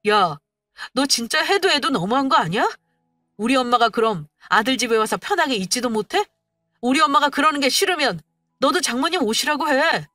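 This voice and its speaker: A woman doing a yelling, hot-headed husband. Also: a little high, lively intonation, moderate pace, no room sound, clean studio sound, faint music behind. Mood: angry shouting. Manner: shouting, accusing. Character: hot-tempered young husband, a mama's boy.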